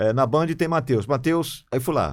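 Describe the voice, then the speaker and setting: Here a man speaks with lively intonation and some vocal fry. The recording is very clean, with a silent background. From Brazil, Bahia interior (Uauá). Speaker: sports radio commentator. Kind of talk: casual interview chat. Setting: studio.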